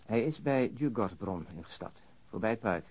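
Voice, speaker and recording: An actor playing a busy police officer in a radio drama, wry and businesslike. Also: male voice, on the low side, lively intonation, moderate pace, a little mellow, breathy edge. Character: busy male police officer fielding tip-off calls. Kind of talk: Dutch radio drama dialogue.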